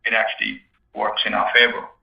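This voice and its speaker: A man's voice: on the low side, completely flat delivery, brisk, gravelly. A man speaking as a company executive on an earnings call, explaining the business point by point in short emphatic phrases. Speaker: company executive answering analysts' questions. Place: conference call. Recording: roomy, distant, dull conference-call audio.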